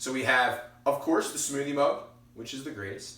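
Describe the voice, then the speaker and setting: In a Philadelphia accent, a man talks in an animated tone at a fairly quick pace. Audible room echo and noticeable background noise are present. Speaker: teacher. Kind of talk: tutorial.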